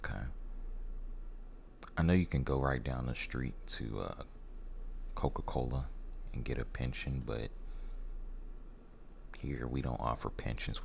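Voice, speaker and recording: Man playing a very deep, gravelly, jaded hiring manager. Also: full character voice. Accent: American. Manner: blunt, apathetic, halting delivery. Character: rude, jaded, blunt middle-aged male warehouse hiring manager. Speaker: ASMR role-play performer. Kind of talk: soft-spoken ASMR role-play interview. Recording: faint background noise.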